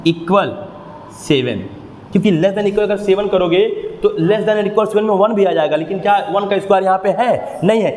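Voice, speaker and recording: A man teaches maths to a room of students, walking them through each step and stopping to ask them questions. His voice sits fairly high, and it rings in a roomy classroom with a long echo. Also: slight background noise. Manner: explains step by step, keeps asking the class questions. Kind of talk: classroom lesson with motivational asides. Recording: echoey room, long reverb.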